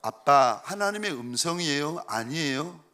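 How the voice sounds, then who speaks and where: A man's voice: on the high side, animated, a little slow, sharp tone. A man voicing his curious young teenage daughter in plain, lightly acted quotes. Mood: questioning.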